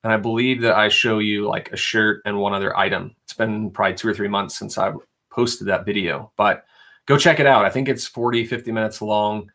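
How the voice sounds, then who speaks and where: A man's voice: on the low side, fairly even intonation, fairly quick, fairly bright tone. A young adult man hosting a casual live stream, chatting in a rambling way and reading viewer questions aloud. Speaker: reseller livestream host.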